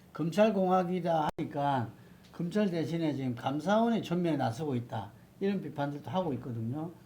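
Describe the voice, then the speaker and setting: A man's plain, everyday voice, fairly high in pitch, with lively intonation at a moderate pace. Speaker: interviewer, news outlet head. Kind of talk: interview question.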